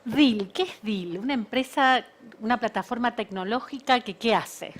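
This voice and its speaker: A woman's voice: fairly high pitch, normal speed. A woman with an Argentine accent hosting a panel and asking guests friendly questions. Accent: Argentine Spanish. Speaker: event host and moderator. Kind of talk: panel moderation.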